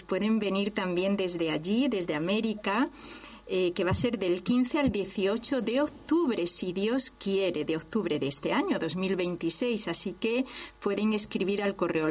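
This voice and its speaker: A woman hosting a Catholic radio programme, a religious sister with a chatty, informal, digressive way of talking. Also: mid-range voice. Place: radio studio in Barcelona.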